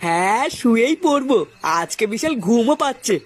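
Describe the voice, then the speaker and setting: A man playing a hot-tempered, foul-mouthed cartoon father who blusters and scolds, with a pitched-up voice. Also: lively intonation, normal speed, faint music behind. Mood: relaxed, sleepy. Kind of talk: exaggerated comedy cartoon acting.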